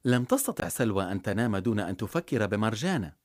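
A storyteller narrating a children's storybook in an expressive, dramatic way. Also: mid-range voice, fast.

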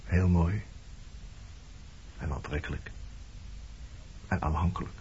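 A guarded evasive ex-lover guy in a dutch radio drama, lowish voice, old dull recording w bit of noise. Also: fairly even intonation, takes it slowly, warm tone. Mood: guarded, terse. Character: reserved, evasive former resistance man and ex-lover. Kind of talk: Dutch radio play acting.

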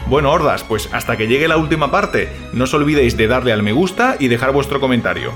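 A man's voice: mid-range voice, lively intonation, fast talker, a bit bright. Guy co-host on a spooky show, casual cheeky banter, bit of music under. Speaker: co-host of horror audio show. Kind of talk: colloquial scripted banter.

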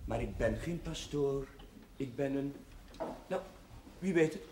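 A man's voice: medium pitch, a little slow, mellow, natural voice. A man playing a young Catholic chaplain, questioning a class like a schoolmaster in a scripted television drama. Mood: patient, instructive. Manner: schoolmasterly, questioning, calling for silence. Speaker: actor in a TV drama series. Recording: noisy old TV soundtrack.

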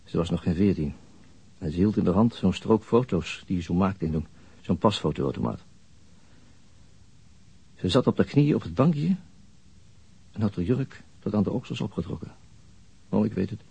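An actor playing a weary, brooding middle-aged police detective in a radio drama, restrained and husky. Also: male voice, low-pitched, dark tone, heavily acted. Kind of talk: radio drama dialogue and inner narration.

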